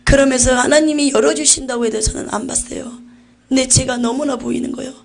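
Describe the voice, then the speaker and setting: A woman pastor with a Jeolla Korean accent gives an emotional testimony to her congregation in a higher-pitched voice with vocal fry. She speaks briskly with fairly even intonation, swinging between hushed whispers and fervent shouted exclamations.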